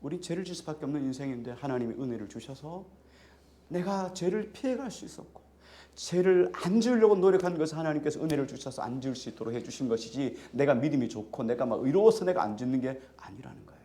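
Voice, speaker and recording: Male pastor, mid-pitched voice, preaches conversationally and questions the pews. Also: lively intonation, quick pace, warm tone. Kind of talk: sermon.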